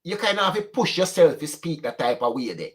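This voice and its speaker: A man's voice: fairly high pitch, big pitch swings, a little fast. A young man from Jamaica with a strong Jamaican accent, chatting casually to his channel and slipping between standard English and patois. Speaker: channel host. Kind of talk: casual vlog monologue.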